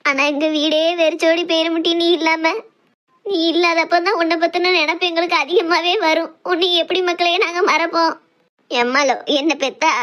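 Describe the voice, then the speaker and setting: A village mother, as a woman puts her on. She speaks in a soothing, consoling way with a high voice. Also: steady tone, normal speed, a bit bright. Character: fretting village mother of the bride.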